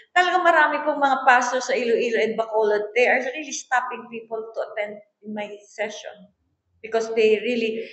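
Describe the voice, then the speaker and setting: A woman pastor delivers a sermon, mixing languages and acting out the people in her stories. Her voice sits a little high. The sound is echoey and muffled, with a lo-fi quality. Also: a bit bright, slight background noise. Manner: mixes Tagalog and English, tells stories and acts out quoted voices. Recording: echoey room, dull lo-fi sound.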